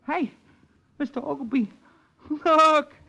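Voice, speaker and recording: An actor playing a slangy, excitable Hollywood talent agent in a 1940s radio drama, narrating and chasing. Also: male voice, extremely high pitch, slow pace, vocal fry, no echo, heavily acted. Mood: frantic. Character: brash fast-talking Hollywood agent. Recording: old radio drama with music.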